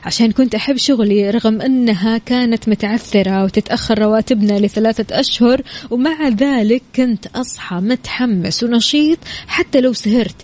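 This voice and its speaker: A woman presenting a morning radio show in an upbeat, expressive, chatty way, talking straight to listeners. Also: fairly high pitch, brisk. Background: music bed under the voice.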